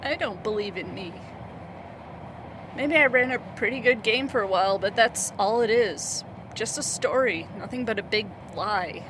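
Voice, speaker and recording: An actress playing a disillusioned, self-doubting leader and fed-up wife in an audio drama, with intense, emphatic delivery. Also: female voice, medium pitch, normal speed, background noise, lightly acted. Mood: defeated.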